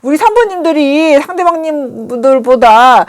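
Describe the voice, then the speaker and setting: Animated woman giving a tarot reading. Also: high voice, a little slow. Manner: animated, swings between pleading and scolding asides. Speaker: tarot reader and shaman. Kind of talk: live tarot reading monologue.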